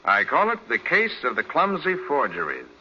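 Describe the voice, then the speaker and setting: Confident master detective, forties radio: animated, brisk delivery, dull band-limited sound. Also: male voice, mid-range voice, very noisy. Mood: genial. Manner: crisp, commanding. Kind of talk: 1940s radio crime drama acting.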